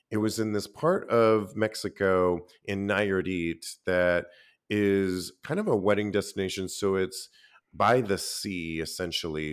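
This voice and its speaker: A man speaks with an American accent. His pitch is very deep and low, and his pace is fairly slow. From US West Coast, Bay Area. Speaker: podcast host. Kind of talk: casual chat. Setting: remote recording from abroad. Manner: animated.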